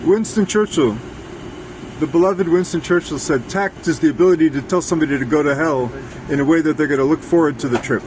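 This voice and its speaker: A man interviewing casually in a halting, rambling, digressive way. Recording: noisy, air conditioning and traffic rumble.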